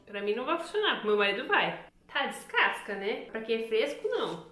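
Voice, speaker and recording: A woman's voice: a little high, sing-song, brisk, sharp tone, echoey room, soft background music. A Brazilian woman with a Brazilian Portuguese accent, casually chatting and joking with viewers while testing kitchen gadgets at home. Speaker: YouTuber testing products. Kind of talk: casual product-testing chat to camera.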